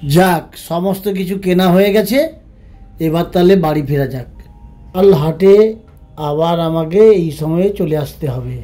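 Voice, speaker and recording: Man acting kindly village father, mellow voice. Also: fairly high pitch, a little slow, faint music behind. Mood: hopeful, pleased. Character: kindly poor village father, weary but hopeful. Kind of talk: Bengali cartoon story dialogue.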